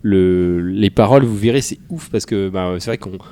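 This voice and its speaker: Relaxed chatty male podcast host. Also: low-pitched, moderate pace. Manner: relaxed, chatty, wraps up the show. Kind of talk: casual chat.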